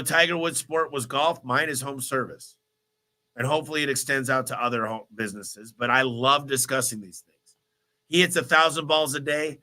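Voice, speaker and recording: A man hosting a live business Q&A, talking in an energetic, motivational, rambling way while congested with a cold. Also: medium pitch. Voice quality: stuffy, nasal. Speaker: host of a business Q&A livestream. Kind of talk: live Q&A answering viewer questions.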